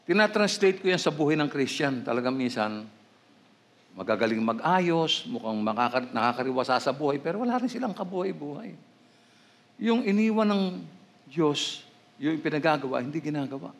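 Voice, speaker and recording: Filipino male pastor, fairly high voice, emphatic sermon delivery with rising questions. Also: animated, moderate pace, creaky. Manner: switches between Tagalog and English, rising emphatic questions.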